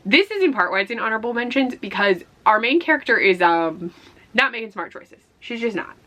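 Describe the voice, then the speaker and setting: A woman with a slightly hoarse voice chats casually like a book vlogger, rambling with self-deprecating asides. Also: a little high, expressive, brisk, sharp tone. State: slightly hoarse after flu. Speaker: book vlogger hosting a year-end favorites video. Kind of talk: casual chatty vlog talk.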